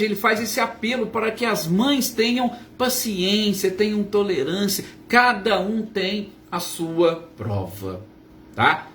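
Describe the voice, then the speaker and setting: A man's voice: high-pitched, fairly bright tone, a little hiss or hum. A man leading a Spiritist study talk, explaining and asking and answering his own questions. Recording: roomy echo, faint ambience.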